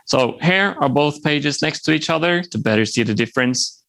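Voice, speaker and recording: Gravelly-voiced Norwegian man presenting. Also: on the high side, expressive, moderate pace, a bit bright. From Norway. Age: 30s. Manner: friendly, lightly humorous, occasional restarts. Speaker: software developer presenting. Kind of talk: conference presentation.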